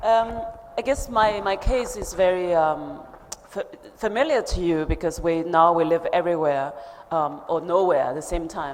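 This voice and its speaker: Against noticeable background noise and audible room echo, a woman speaks at a fairly low pitch and a moderate pace with ordinary pitch variation. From China. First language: Chinese. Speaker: novelist. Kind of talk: panel discussion. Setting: stage with audience.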